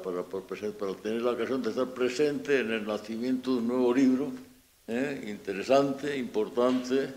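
A man's voice: lowish voice, mellow. A man with a Peninsular Spanish accent speaking informally at a book presentation, hesitant and often restarting his words, with a critical, ironic edge. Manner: hesitant, repeats and restarts words, searching phrasing. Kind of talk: informal public talk.

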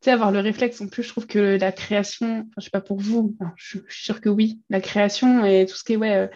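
A woman's voice: medium pitch, little pitch movement, quick pace, darkish tone, dull audio. A woman illustrator answering questions in a casual podcast interview, chatty and laughing often between filler words. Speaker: illustrator guest.

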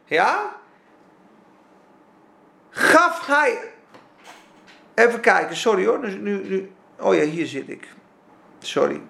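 Gravelly, high-pitched male preacher, fervent, swinging loud and soft. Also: animated, takes it slowly, long pauses, reverberant, slight background noise. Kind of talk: sermon.

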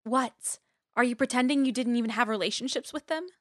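Determined heroine, played by an actress, forceful tone, slightly high, very dry recording, blunt and challenging; audio drama. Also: female voice, brisk, no echo, natural voice. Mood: defiant, accusing. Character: determined, confrontational young woman taking on powerful man.

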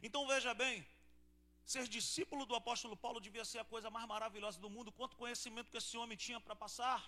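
A man's voice: very high voice, fairly even intonation, fast, bright, forceful tone, faint music behind. A man pastor with a Brazilian Portuguese accent, preaching a sermon to a church congregation and asking them questions. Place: church service before a congregation.

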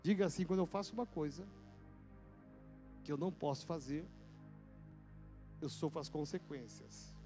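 A male pastor, telling a personal story in a sermon with vivid, animated delivery and sound effects. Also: a little high, normal speed, pauses often, over music.

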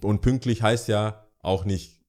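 A man's voice: on the low side, steady tone, unhurried, darkish tone. A young man co-hosting a casual chat, acting out excuses in quoted asides and laughing often.

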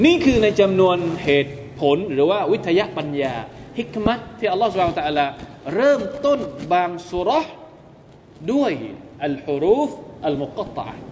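Male Islamic teacher, high lively voice, emphatic lecturing, long hall reverb. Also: slight background noise. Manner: animated, rising to emphatic peaks, addresses listeners as brothers. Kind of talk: Quran commentary lecture.

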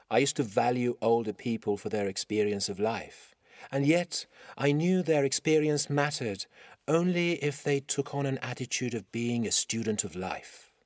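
Expressive Iranian-accented man reading a story. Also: mid-range voice, dry recording, clean studio sound. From Iran. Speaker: writer reading own story. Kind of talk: scripted literary narration.

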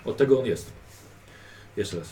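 A man's voice: lowish voice, animated, measured pace, warm tone. A man running a tabletop role-playing game, coaching a player's character in a patient, instructive manner. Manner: patient, instructive, drill-like repetition. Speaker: game master. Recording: distant mic with background noise.

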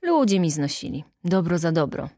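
A woman's voice: fairly low pitch, very animated, normal speed, dark tone, no echo, studio quality. A woman reading a story aloud and voicing a boastful, tipsy male local official who talks in a bluff, showy, persuasive way.

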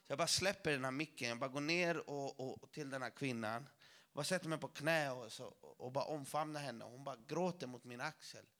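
A man preaching to a church audience, telling a testimony story in a lively way with self-mocking jokes. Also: mid-range voice.

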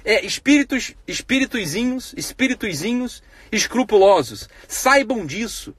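A man's voice: high-pitched, sing-song, a little slow, fairly bright tone, slightly rough, no echo. A man hosting a live stream, giving a blunt, profane monologue on ethics full of rhetorical questions. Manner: grows heated and emphatic.

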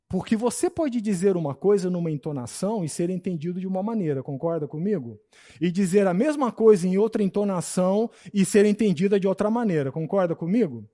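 A man's voice: high-pitched, mellow. A man teaching a Bible class, lecturing in a preachy way and often checking that his students agree.

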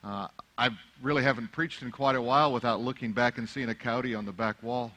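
A man's voice: mid-range voice, steady tone, brisk, bright, forceful tone, low-quality recording. A middle-aged man whose first language is Arabic, preaching a sermon that moves from easy conversational remarks to fervent, rising exhortation. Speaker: pastor.

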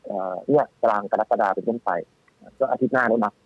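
A man giving casual, animated stock-market talk as a guest analyst, with many restarts and fillers. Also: medium pitch, quick pace, husky. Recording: tinny phone-line audio, faint music.

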